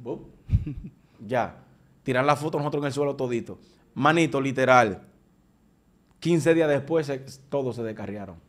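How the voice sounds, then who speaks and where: A man, a preacher giving his testimony in an animated conversational way, often restarting his sentences. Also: mid-range voice, normal speed, pauses often. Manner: animated storytelling with frequent restarts.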